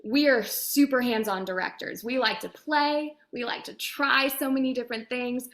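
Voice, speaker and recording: A woman's voice: a little high, normal speed, a bit bright. A woman talking as an interview guest in an enthusiastic, chatty, emphatic conversational manner, explaining her work as a producer and director.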